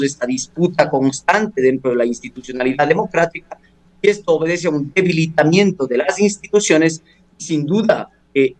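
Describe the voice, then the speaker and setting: A man, a law professor giving formal, measured analysis in a radio interview, pausing with hesitations. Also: on the high side. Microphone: studio or phone radio interview.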